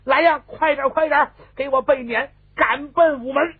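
Man doing a stern old dowager empress, high lively voice, husky, tinny phone-band sound, scolding and commanding. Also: normal speed, no echo, full character voice. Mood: alarmed. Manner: scolding, urgent. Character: elderly imperial dowager woman, stern and commanding. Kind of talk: traditional storytelling.

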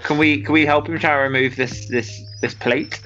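A man's voice: fairly high pitch, steady tone, moderate pace, sharp tone, dull audio, soft background music. A man playing a tabletop game, joking in casual banter. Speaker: player.

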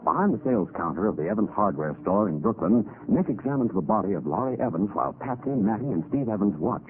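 An urgent old-time radio narrator. His lowish voice moves quickly through scripted narration on a thin, scratchy 1940s recording. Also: expressive, phone-quality sound. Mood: dramatic. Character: urgent male announcer-narrator.

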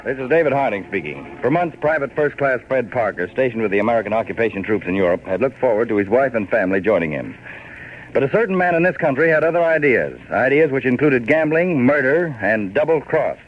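An actor playing a brisk, authoritative government counterspy agent in 1940s radio style, commanding and clipped. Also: male voice, medium pitch, lively intonation, lightly acted. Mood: earnest. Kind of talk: 1940s radio drama, scripted narration. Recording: muffled, noisy old radio recording.

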